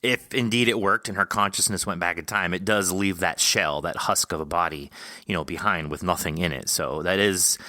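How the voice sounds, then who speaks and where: Bright-voiced man hosting a casual podcast. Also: deep voice, moderate pace, dry recording, studio quality. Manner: thinks aloud, rambling, posing questions. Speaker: podcast host interviewing an author. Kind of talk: casual conversational interview.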